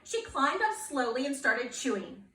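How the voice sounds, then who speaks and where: A woman reading a children's picture book aloud in a playful, expressive way, asking her young listeners questions. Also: high voice, unhurried, reverberant, recorded from a distance.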